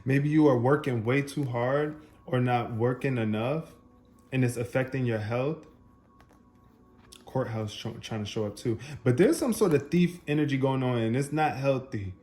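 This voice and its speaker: A man giving an animated, spontaneous tarot reading, talking straight to his viewers and laughing often. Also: medium pitch, normal speed. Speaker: tarot reader.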